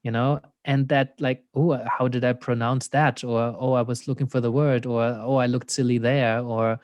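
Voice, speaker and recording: A man with a German accent, speaking in a mid-range voice as a thoughtful interview guest. He muses aloud, laughs easily and fills pauses with "you know." The sound is close and dry, with no room around it. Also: medium pitch, little pitch movement, darkish tone, no echo. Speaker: existential coach, interview guest. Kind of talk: reflective conversational interview.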